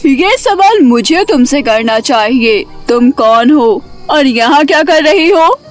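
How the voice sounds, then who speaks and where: A woman playing a kindly, reassuring witch of the forest in an animated storybook tale. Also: sits high, takes it slowly, faint music behind. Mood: challenging.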